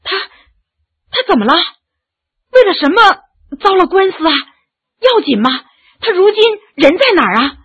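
A woman voicing a timid, poor young village wife who speaks softly and haltingly. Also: on the high side, big pitch swings, husky, muffled recording, exaggerated voice. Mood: alarmed. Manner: halting, hesitant, soft-spoken.

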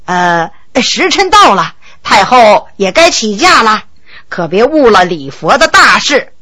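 A woman voicing a brisk, impatient royal prince in a storybook, speaking in a lowered voice. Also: sing-song, sharp tone, heavily acted.

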